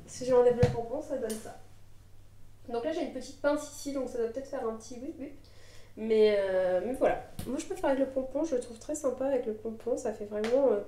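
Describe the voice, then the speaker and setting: A woman's voice: fairly high pitch, mellow, a little hiss or hum. A woman chatting hesitantly with many fillers and restarts in a casual knitting vlog, just over a cold. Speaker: knitting podcaster. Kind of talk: casual show-and-tell vlog. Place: at home, knitting on camera. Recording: echoey room.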